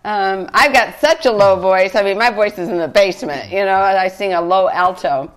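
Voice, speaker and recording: A woman's voice: medium pitch, normal speed, rough recording. A middle-aged woman hosting a worship music show, chatting cheerfully and laughing easily between hymns, on a lapel mic in a living-room studio. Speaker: host. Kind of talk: casual chat between hymns. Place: cozy indoor living-room studio set.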